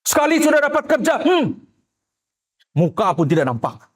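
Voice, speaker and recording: Animated high-voiced pastor preaching. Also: male voice, moderate pace. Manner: animated, swings between loud exclamations and low asides, acts out quoted people. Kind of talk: sermon.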